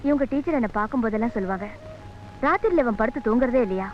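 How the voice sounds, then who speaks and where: A woman's voice: on the high side, expressive, racing, highs cut off, soft background music, lightly acted. A woman playing a worried young carer. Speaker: young woman caring for a boy. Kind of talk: 1980s Tamil film dialogue.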